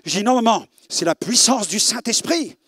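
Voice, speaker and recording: A man's voice: high-pitched, lively intonation, normal speed, bright, forceful tone, slightly rough, no room sound, clean studio sound. A middle-aged man preaching in a church, telling his testimony as a dramatic story and acting out the dialogue. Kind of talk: sermon testimony.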